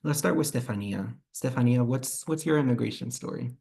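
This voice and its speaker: A man moderating a panel, reading out guest introductions in a measured, even manner. His voice sits at a middle pitch and he keeps a steady tone as he introduces each guest and puts his questions to them. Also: gravelly. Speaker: moderator, race and equity reporter.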